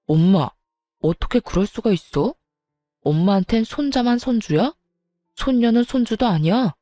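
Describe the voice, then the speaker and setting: A woman's voice: fairly high pitch, animated, moderate pace, mellow, dry recording, faint music behind, lightly acted. A woman voicing an angry middle-aged husband who scolds bluntly and reproachfully, in a narrated audio story. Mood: indignant.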